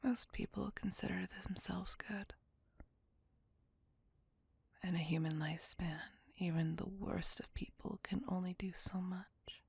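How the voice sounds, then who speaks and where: A woman breathes life into an ancient, tormented vampire woman who never raises her voice above a whisper. Her low, gravelly hush is husky and breathy, brooding and possessive. Close and dry, it sits right at the listener's ear. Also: fairly even intonation, no room sound, heavily acted. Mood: brooding menace. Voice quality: whispered throughout. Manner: slow, brooding, intimate. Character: centuries-old female vampire, tormented and possessive. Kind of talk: ASMR audio roleplay.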